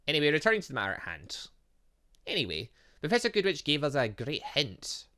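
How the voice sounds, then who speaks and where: A man's voice: fairly high pitch, huge pitch swings, a little fast, bright, forceful tone. A man reading visual novel dialogue aloud as a gaming host, breaking off into casual asides and exclamations.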